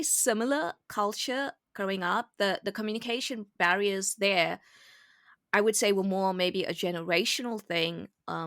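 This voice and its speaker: A woman's voice: on the low side, a bit bright, no echo, studio quality. A woman from South Africa with a South African accent, speaking earnestly and reflectively as a guest in a casual interview. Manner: earnest, reflective, laughs easily.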